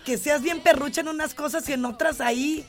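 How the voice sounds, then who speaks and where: A woman's voice: high-pitched, steady tone, a little fast, soft background music. A woman with a Mexican accent co-hosting a casual gossip podcast, playful and teasing with slangy remarks. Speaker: podcast co-host.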